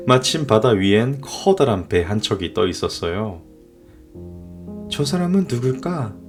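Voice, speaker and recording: A man narrating a scripted bedtime fairy tale in a soothing storybook delivery, letting his sentence endings fall softly. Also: fairly low pitch. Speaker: storyteller, father.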